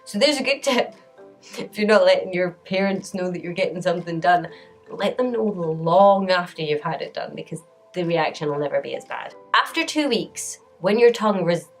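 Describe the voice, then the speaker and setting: A woman in her late twenties tells a storytime vlog in a loose, chatty manner and laughs often between sentences. Her voice sits a little low for a woman. Soft music plays faintly behind her. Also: animated, normal speed. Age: late 20s. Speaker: vlogger.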